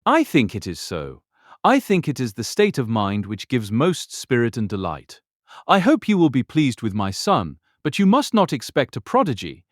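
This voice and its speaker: An actor playing a talkative, sanguine older gentleman in a period audiobook drama, speaking in a genteel, rambling, effusive way. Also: mid-range voice, huge pitch swings, moderate pace, dry recording, studio quality. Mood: eager, hopeful. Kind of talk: full-cast audiobook period drama acting.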